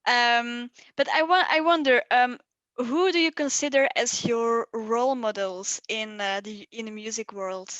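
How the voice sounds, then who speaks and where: A woman's voice: a little high, fairly even intonation, unhurried, fairly bright tone, no room sound, highs cut off. A young woman interviewing a guest over a video call, asking questions with frequent hesitant fillers.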